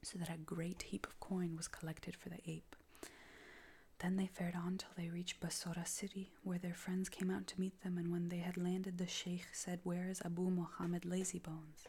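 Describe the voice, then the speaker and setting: This voice is soft-spoken. It moves along at a fairly quick pace. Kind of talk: ASMR book reading. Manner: soft-spoken, relaxing.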